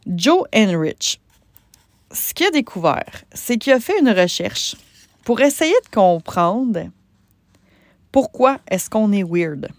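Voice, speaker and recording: Slow-talking Québécois woman coach. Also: medium pitch, big pitch swings, no echo. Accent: Québécois French. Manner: conversational, many filler pauses and restarts. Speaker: business coach and podcast host. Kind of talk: solo podcast talk.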